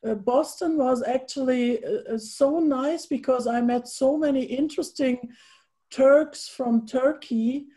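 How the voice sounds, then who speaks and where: A woman in her fifties with a German accent, hosting a casual video-call interview with slow, thoughtful phrasing and many pauses. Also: high voice, warm tone, rough recording. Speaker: interviewer host.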